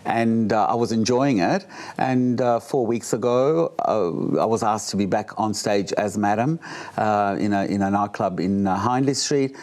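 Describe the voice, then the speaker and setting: Soft low-voiced older man, hesitant. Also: measured pace. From Egypt. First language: Italian. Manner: hesitant, with many fillers and restarts. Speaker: guest, drag performer. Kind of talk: relaxed interview chat.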